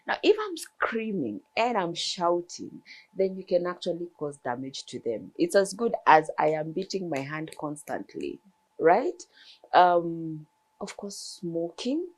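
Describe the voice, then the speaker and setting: A woman's voice: on the low side, very animated, measured pace, a little mellow. A woman ENT surgeon, explaining throat health in a TV interview with examples. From Kenya.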